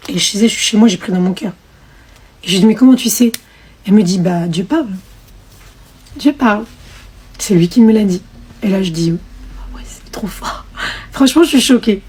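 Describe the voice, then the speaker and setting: Woman, young adult, emotional testimony, husky voice, quoted dialogue. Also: mid-range voice, warm tone. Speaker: convert telling her testimony. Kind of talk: personal testimony.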